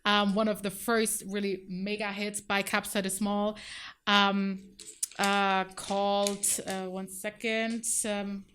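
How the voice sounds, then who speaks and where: A woman hosting a radio show in a studio, relaxed and chatty, with fillers and self-deprecating asides. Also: medium pitch, slow, slight background noise. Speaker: radio host. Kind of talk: radio show presenting and interviewing.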